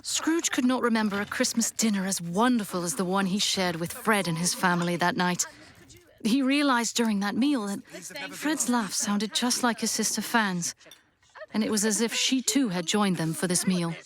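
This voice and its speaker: A woman narrating a Victorian Christmas tale as the storyteller of a radio play, in an expressive scripted style. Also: medium pitch, moderate pace, natural voice. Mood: wry, building.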